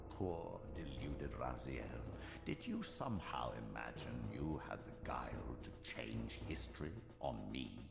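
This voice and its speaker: A scheming old sorcerer from a video game cutscene, looms with a gravelly, cavernous voice that swoops in lively, gloating arcs. He talks down to his foe with slow contempt. Loud orchestral music and a roomy echo surround him. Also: full character voice. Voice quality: deep gravelly. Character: scheming old male time-streamer sorcerer, condescending.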